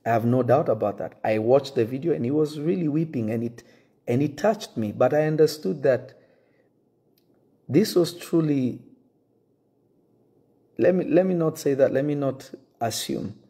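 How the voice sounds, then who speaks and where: A pastor in his thirties, a native French speaker, talks to camera in a dark, mellow voice with a slightly husky grain. He is earnest and measured and often restarts mid-sentence to pick his words. He is recorded close up on a phone in an indoor room. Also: mid-range voice. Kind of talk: direct-to-camera address to his congregation. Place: indoor room with wooden shelves.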